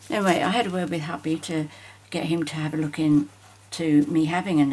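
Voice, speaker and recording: A woman with a British accent talks at a fairly slow pace and fairly low pitch, with ordinary pitch variation and noticeable background noise. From UK. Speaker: craft tutorial host. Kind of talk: tutorial. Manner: soft-spoken.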